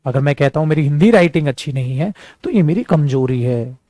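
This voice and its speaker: A lively male teacher from India runs a spoken English lesson, mixing Hindi and English as he talks to his students like friends. His voice sits fairly high, and he drags out each English example sentence slowly so the class can follow. The sound is dry and close, with no room echo. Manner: switches freely between Hindi and English, addresses students as friends. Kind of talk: classroom lesson, explaining at a board.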